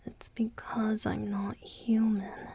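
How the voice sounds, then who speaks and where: A woman voicing a tender romantic young male vampire boyfriend in a gentle, breathy whisper for an ASMR roleplay. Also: medium pitch, level tone. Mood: tender, devoted. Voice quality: breathy, airy. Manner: slow, gentle, intimate.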